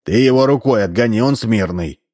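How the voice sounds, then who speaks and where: A man's voice: lowish voice, fairly quick, dark tone, lightly acted. A man reading an audiobook, voicing a brash, blunt male neighbour in a raised voice. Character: brash shaggy-haired neighbour, adult man.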